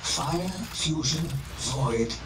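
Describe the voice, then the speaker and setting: An actor playing a zealous old visionary industrialist villain in a video game, speaking in a grandiose, deliberate, theatrical manner. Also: male voice, medium pitch, heavy background noise. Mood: solemn, grandiose. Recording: echoey, music behind the voice.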